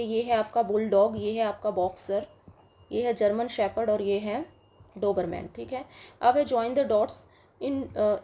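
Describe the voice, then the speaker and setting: Slow, patient Indian woman teacher. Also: on the high side, mellow. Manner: slow, patient, addresses children, asks and answers own questions. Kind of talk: bilingual lesson explaining English workbook in Hindi.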